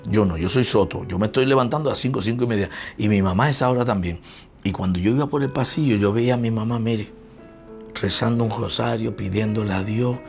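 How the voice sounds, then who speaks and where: A man's voice: fairly low pitch, a little mellow. A middle-aged man with a Puerto Rican accent preaching a sermon in a conversational way, acting out talks with his family. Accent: Puerto Rican Spanish. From Puerto Rico. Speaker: pastor.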